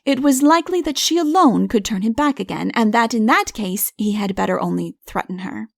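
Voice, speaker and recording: Creaky-voiced woman narrating a story. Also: on the high side, brisk, dry recording, clean studio sound. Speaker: audiobook narrator. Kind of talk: scripted comic fairy tale narration.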